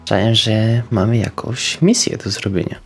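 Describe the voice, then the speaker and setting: Lower-voiced man, hesitant and jumpy. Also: fairly even intonation, moderate pace, creaky, slightly rough, faint music behind. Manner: hesitant, jumpy, drops into whispers. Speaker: player. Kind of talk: in-character roleplay chat.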